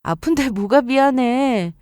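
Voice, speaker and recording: Woman playing a caring, mellow young bride-to-be. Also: sits high, expressive, a little slow, no echo, studio quality, pitched above the performer's own voice.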